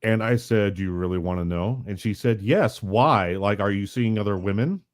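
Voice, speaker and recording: Male panelist, lowish voice, wry anecdotal storytelling. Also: normal speed, dry recording, studio quality. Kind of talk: casual storytelling.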